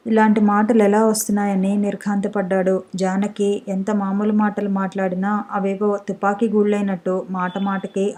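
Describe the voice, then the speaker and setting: A woman narrates a story in a steady, measured reading voice. Her tone is mellow and dark, and her pitch stays level. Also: a little hiss or hum. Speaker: audiobook narrator. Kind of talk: scripted narration.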